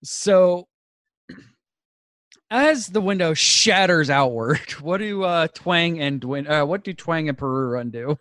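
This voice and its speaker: A man narrating as game master, relaxed and laughing often, with frequent fillers. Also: on the high side, takes it slowly, no echo, studio quality.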